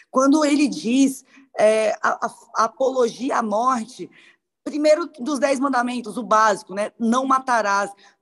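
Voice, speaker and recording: Against a quiet background, a woman speaks at a fairly slow pace in a high pitch. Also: ordinary pitch variation. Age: 30s. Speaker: city councillor. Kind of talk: speech at online event.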